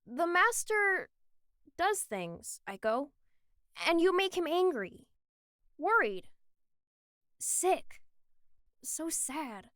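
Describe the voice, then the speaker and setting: A woman voicing a small, gentle, anxious mage with a youthful voice and hesitant, simple phrasing in a fan-made audio drama. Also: big pitch swings, very slow, long pauses, dry recording, studio quality, heavily acted. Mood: worried, sad. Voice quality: high, bright, youthful.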